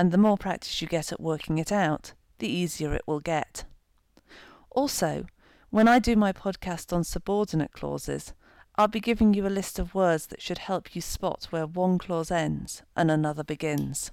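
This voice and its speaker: On a very clean recording with a silent background, a woman with an unremarkable speaking voice talks at a moderate pace, her fairly low pitch showing ordinary pitch variation. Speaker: language teacher podcaster. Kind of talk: tutorial. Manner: scripted, clear delivery.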